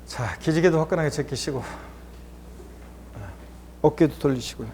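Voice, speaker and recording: A man's voice: a little high, normal speed, darkish tone, a little hiss or hum. A man teaching a lecture course in a chatty, encouraging way. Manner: chatty and encouraging, often starts with "자". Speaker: instructor.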